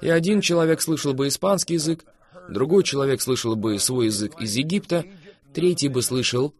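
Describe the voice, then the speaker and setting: A man co-hosting a Christian TV talk show, preaching fervently in an emphatic conversational way. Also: medium pitch. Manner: fervent, emphatic, swings between loud bursts and soft drawn-out phrases. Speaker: Christian TV minister, co-host.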